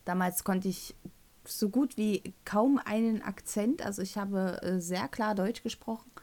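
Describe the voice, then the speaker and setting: A woman's voice: mid-range voice, measured pace, darkish tone. A woman in her thirties with a Thuringian German accent, hosting her own podcast in a rambling, casual way with fillers and self-corrections. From North Rhine-Westphalia, Germany. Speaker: podcast host. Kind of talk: casual solo podcast talk.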